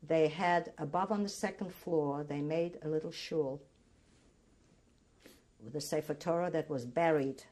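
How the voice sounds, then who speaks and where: Older woman from Greece, first language Greek, oral history interviewee; low, raspy voice, halting recollection. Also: a little mellow. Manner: reminiscing, halting with restarts.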